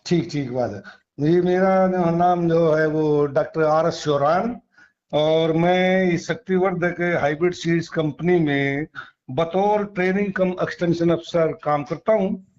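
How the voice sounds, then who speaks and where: A man's voice: a little high, a little slow, darkish tone. A man explaining things methodically in a phone interview as a company officer, repeating key terms. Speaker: seed company training and extension officer. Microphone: phone call. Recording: muffled lo-fi phone call recording.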